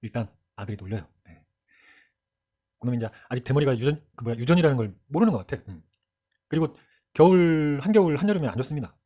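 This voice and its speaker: A man's voice: mid-range voice, animated, fast talker, pauses often, warm tone. A man in his forties with a light North Jeolla Korean accent, giving a rambling, joking history lesson. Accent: light North Jeolla Korean accent with Chungcheong features. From Jeolla region of South Korea. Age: 40s. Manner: rambling, joking, self-mocking asides. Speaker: history teacher. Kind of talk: casual lecture.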